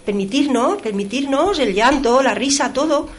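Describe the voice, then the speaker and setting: Expressive middle-aged woman on radio. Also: sits high, normal speed. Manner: expressive, emphatic exclamations and laughter. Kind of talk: radio talk-show discussion. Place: radio studio.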